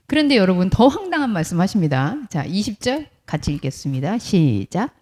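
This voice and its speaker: A woman's voice: mid-range voice, a little fast. A woman pastor giving a sermon, telling the story with animation and asking the congregation questions. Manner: animated storytelling, acts out quotes.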